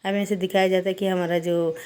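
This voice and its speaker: A woman narrates a fan fiction story in a chatty, informal way. Her voice is mellow and dark. She speaks in a flat, even tone with little rise and fall. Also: fairly low pitch, fairly quick, smooth. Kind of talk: casual fan fiction retelling.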